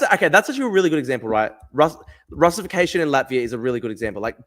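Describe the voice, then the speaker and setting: Fast-talking blunt man. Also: mid-range voice. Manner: blunt, argumentative, swears freely, repeats phrases. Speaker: livestream host reading chat. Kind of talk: casual livestream chat.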